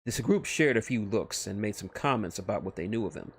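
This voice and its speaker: A man's voice: lowish voice, lively intonation, fairly quick, husky. A man narrating fan fiction live on a stream, now and then stumbling and rereading phrases.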